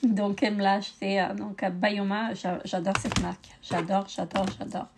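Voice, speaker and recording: A woman's voice: mid-range voice, level tone, moderate pace, darkish tone, husky. A middle-aged woman, tired, chatting casually with many hesitations in a beauty haul video. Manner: hesitant, many euh fillers. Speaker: beauty vlogger.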